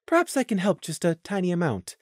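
A woman voicing a gentle, humble female unicorn in an audio story, calm and patient with a smooth, musical tone. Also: on the low side, fairly quick, no echo, studio quality. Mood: calm, sad.

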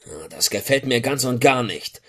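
Grumbling male police chief inspector, mid-pitched actor. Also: lively intonation, normal speed, fairly bright tone. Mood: uneasy. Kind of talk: German crime audio drama acting.

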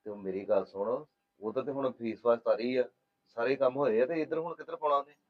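A man playing a calm, mild-mannered husband in a family drama. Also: medium pitch, fast, close to an everyday voice. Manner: easygoing, mild. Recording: dull lo-fi sound.

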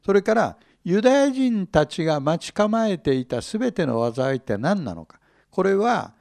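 Guy preaching, jokey storyteller vibe, voice jumps all over, bit of fry. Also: sits high, sing-song, moderate pace, darkish tone, no echo, studio quality. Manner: humorous, chuckling storyteller. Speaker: Bible teacher. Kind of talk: sermon with scripture reading.

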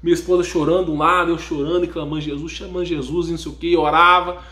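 A man's voice: on the high side, very fast, roomy sound. A man hosting his own channel, telling an emotional personal testimony, acting out what others said and stressing that he is not joking. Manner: animated storyteller who acts out what others said; keeps stressing "no joke" and checking in with listeners. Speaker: YouTube channel host.

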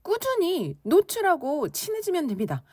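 A woman teaching English conversation in Korean, lively and playful, acting out angry reactions as she explains expressions. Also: very high voice, moderate pace, dry recording, studio quality.

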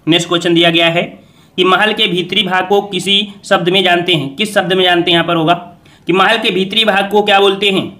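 A man's voice: high voice, fairly even intonation, fast, pushed and bright. A man teaching an exam revision lesson, quizzing viewers and repeating each answer as a question.

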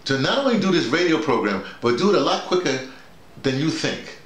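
This middle-aged or older radio drama teacher and workshop leader sounds very animated, his voice a little high. Sitting in a small, bare, echoey room, he explains things casually to colleagues with teacherly emphasis, frequently halting and repeating his words.

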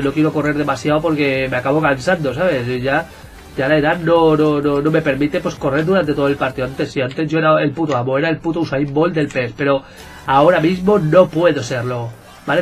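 A man with a Spain Spanish accent, giving excitable, jokey gameplay commentary and bantering with his viewers. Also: on the high side. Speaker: gaming YouTuber.

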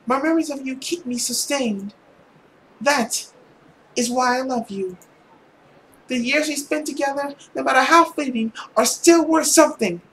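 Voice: sits high, moderate pace, a bit bright, slight background noise, pitched above the performer's own voice, low-quality recording. A performer voicing an earnest, devoted young usher from a visual novel. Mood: earnest, tender.

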